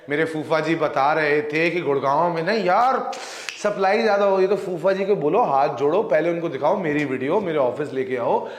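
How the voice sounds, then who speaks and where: Man in his thirties, Indian accent, property agent, confident and joking, voice a little high, roomy echo. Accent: Indian English. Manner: jokey, mixes Hindi and English, confident sales pitch. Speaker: real estate agent. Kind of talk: casual video talk.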